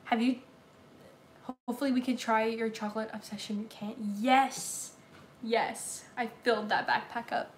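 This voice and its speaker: A young woman with a Southern accent keeps a steady tone and normal speed, her pitch fairly high, as she bakes and responds to viewers on a casual kitchen live stream. A laptop or phone camera at table distance records the echoey room, with a little hiss or hum.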